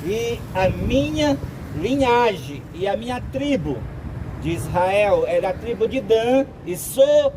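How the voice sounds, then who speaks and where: Very high-voiced Brazilian man preaching slowly. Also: big pitch swings. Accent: Brazilian Portuguese. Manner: slow, deliberate preaching with drawn-out phrases. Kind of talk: sermon. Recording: outdoor street noise with traffic.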